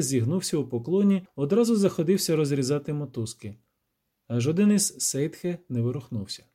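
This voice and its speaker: A man narrating a fantasy audiobook in a dramatic, expressive reading. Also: fairly high pitch.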